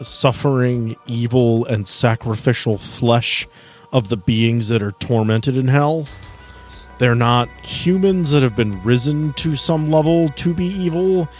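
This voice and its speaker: A man's voice: medium pitch, darkish tone. A man working as game master, narrating and explaining lore phrase by phrase for a tabletop game.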